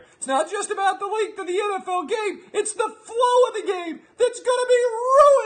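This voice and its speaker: In a put-on character voice, the speaker whines with a whiny tone at a moderate pace, leaving hardly any pauses. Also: man, extremely high pitch for a man. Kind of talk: whiny, imbecilic. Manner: whiny, overreacting.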